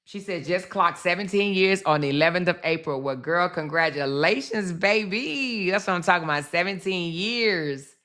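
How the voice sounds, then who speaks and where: A woman with a somewhat low, fairly bright voice hosts a casual live-stream commentary at a moderate pace with barely any pauses. She's chatty, reads chat comments aloud, calls her viewers "baby" and "girl," and repeats phrases.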